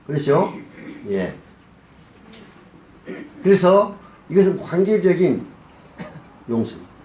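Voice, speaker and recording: A male pastor preaches a sermon in an echoey hall, speaking slowly in a sing-song voice. He asks the congregation questions and answers them himself, acting out scenes in a softer, low voice.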